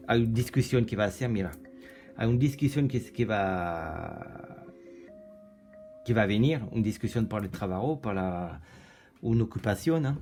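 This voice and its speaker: Slow, halting man with French accent. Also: mid-range voice, dark tone. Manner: halting, searches for words, many restarts; drops in French fillers. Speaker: tarot reader. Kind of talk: casual card reading to camera.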